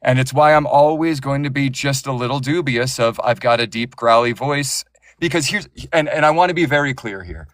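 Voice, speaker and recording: A man's voice: medium pitch, normal speed, a bit bright, no echo, clean studio sound. A man who narrates audiobooks, talking passionately and with strong opinions in a casual interview, often restarting his sentences.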